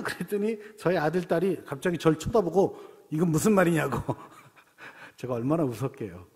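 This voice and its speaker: A middle-aged pastor from Seoul, preaching a sermon in a church in a chatty storytelling way, full of rhetorical questions. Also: male voice, a little high, a little mellow, breathy edge. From Seoul, South Korea. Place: church sanctuary. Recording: long church reverb.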